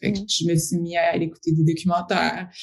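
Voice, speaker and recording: Her pitch is medium and her pace moderate. This woman's voice is somewhat breathy. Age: 30s. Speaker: entrepreneur. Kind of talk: interview.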